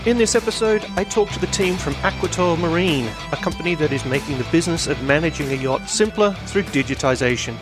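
Podcast host guy, bit high pitched, chatty questions, faint guitar under him. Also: animated, a little fast, few pauses. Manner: conversational, easygoing questions.

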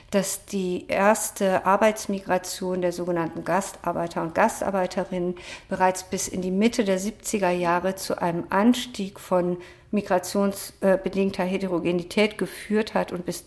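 A woman author answering interview questions in a measured, academic way, with frequent hesitation sounds. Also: lowish voice, darkish tone. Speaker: author and social scientist, interview guest.

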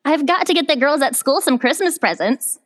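A woman's voice: high voice, lively intonation, a little fast. A woman acting a sweet but firm teenage daughter in an old-time radio comedy. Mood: apologetic, firm.

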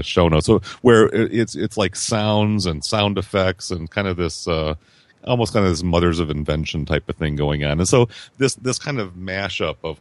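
A man in his fifties with a very low voice rambles through a casual film discussion. He keeps restarting and repeating words as he works toward his point. The sound is dry and close. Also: no echo. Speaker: podcast guest.

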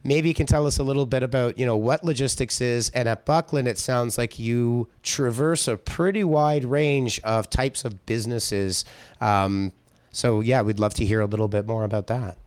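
A male podcast host with a slightly hoarse voice, opening the show and chatting with an upbeat, energetic manner. His voice sits at an ordinary middle pitch. The sound is close and dry, with no room echo. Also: normal speed. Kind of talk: casual interview chat.

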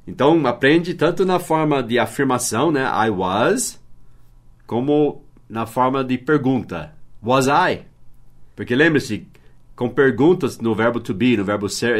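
Brazilian man, language-teacher host, patient explainer, mid-range voice. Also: mid-range voice. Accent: Brazilian Portuguese. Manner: explains patiently, spells words letter by letter. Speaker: English teacher. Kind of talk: podcast lesson.

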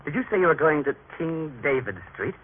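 A man's voice: fairly high pitch, animated, brisk, narrow, tinny audio, lightly acted. An actor playing a proud, emphatic family father in an old radio drama, with a theatrical, paternal manner. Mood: indignant, stern. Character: proud, stern, affectionate husband and father, prejudiced. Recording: noisy, band-limited vintage radio recording.

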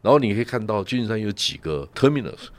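On casual radio, a Taiwanese man serving as guest commentator tells travel stories at a quick pace, his lowish voice full of lively intonation. Rhetorical questions abound, along with frequent "right?" and "ha."

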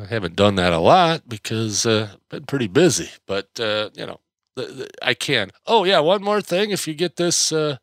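A man's voice: mid-range voice, a bit bright, dry recording, studio quality. Congested American man, rambling casual podcaster. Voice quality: slightly nasal. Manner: rambling, hesitant, folksy. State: mildly congested. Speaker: podcast host. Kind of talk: casual solo podcast chat.

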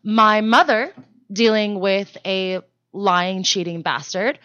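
A woman co-hosting a comedic podcast, telling stories fast and animatedly, with plenty of profanity. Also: mid-range voice, sharp tone, clean tone, dry recording, lo-fi sound. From Denmark. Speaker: podcast co-host. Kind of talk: casual comedic chat.

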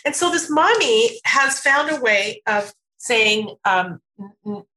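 A woman giving parenting advice in a relaxed conversation, laughing often and slipping into a sing-song tone when acting out what parents can say. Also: fairly high pitch, takes it slowly, a little hiss or hum, poor audio. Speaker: parenting expert guest.

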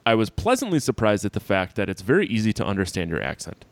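A man's voice: lowish voice, huge pitch swings, fast talker, no echo. An American man hosting a casual podcast chat in a blunt, sweary way. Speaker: podcast host.

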